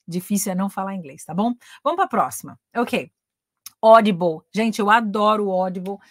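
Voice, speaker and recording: A woman's voice: medium pitch, lively intonation, moderate pace, dry recording, studio quality. Chatty Brazilian woman teaching English. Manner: chatty, talks straight to viewers with frequent checks like "tá?". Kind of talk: online English lesson.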